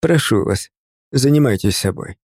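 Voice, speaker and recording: A man voicing a greying middle-aged male lecturer who grumbles with gentle reproach, read as part of an audiobook. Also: mid-range voice, animated, moderate pace, breathy edge, no echo, studio quality. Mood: reassuring.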